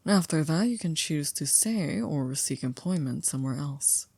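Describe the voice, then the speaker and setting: A woman playing a composed, formal household servant in an ASMR roleplay, polite and measured with gently wry teasing. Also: sits low, animated, husky, no echo, exaggerated voice. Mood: calm, reassuring.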